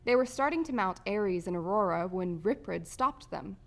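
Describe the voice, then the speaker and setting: A woman's voice: mid-range voice, animated, normal speed, vocal fry. A woman working as a voice-over artist, reading scripted narration.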